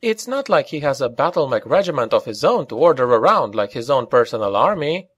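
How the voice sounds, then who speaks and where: A man's voice: medium pitch, sing-song, brisk, a bit bright, slightly rough, pitched above the performer's own voice. A man voicing a pleading woman who tries to keep the peace, in an audiobook. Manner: pleading, earnest.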